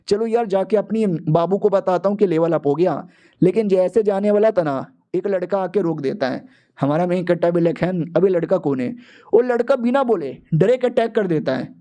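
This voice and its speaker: A man's voice: sits high, mellow. A man narrating a comic recap, slangy and joking with his viewers as he does character voices. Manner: playful, slangy, jokey asides to viewers.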